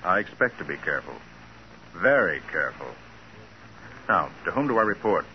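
An actor playing a cool, daring private detective with an American accent, confident and unruffled in 1940s radio crime drama style. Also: male voice, deep voice, very animated, normal speed. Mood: businesslike. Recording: dull, noisy 1940s radio recording.

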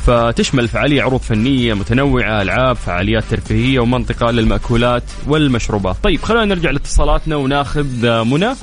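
A man's voice: mid-range voice, very fast, few pauses, soft background music. A man hosting a radio call-in show, breezy and joking as he runs a contest and promotes an event. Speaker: radio host. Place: radio studio.

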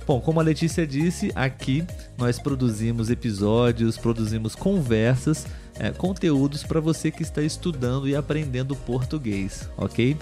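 A Brazilian man hosting a casual chat podcast for language learners, speaking clearly and in a friendly way. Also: medium pitch, moderate pace, warm tone, soft background music. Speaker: podcast host.

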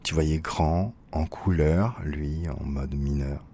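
Deep-voiced man reading intimate narration. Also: slow, mellow, husky. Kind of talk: scripted literary narration.

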